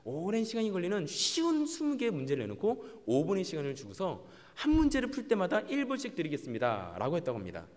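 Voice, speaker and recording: Animated male pastor in a reverberant hall. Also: quick pace, few pauses. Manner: animated, acts out quoted voices with big pitch swings. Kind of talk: sermon.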